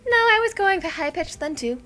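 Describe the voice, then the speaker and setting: A woman's voice: very high voice, expressive, brisk, pushed and bright. A woman co-hosting a game video, teasing and joking with her partner. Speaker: let's-play co-host. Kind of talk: casual game banter.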